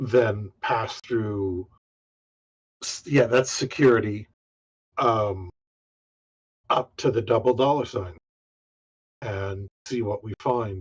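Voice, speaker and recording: Putting on a raspy character voice at a medium pitch, a man talks at a very slow pace with long, frequent pauses. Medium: actual play. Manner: halting, hedging, polite, many pauses.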